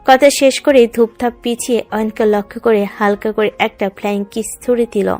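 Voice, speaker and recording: A woman's voice: fairly high pitch, fairly even intonation, moderate pace, a little mellow, faint music behind. A woman reading scripted narration for a romance story in a dramatic, descriptive way.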